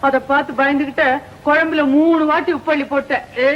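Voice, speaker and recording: A woman's voice: high-pitched, flat delivery, fairly quick, slight background noise, natural voice. An actress playing a timid, easily frightened young village woman in an old film, pleading in a childlike way. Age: young adult. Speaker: daughter. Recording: dull old film soundtrack.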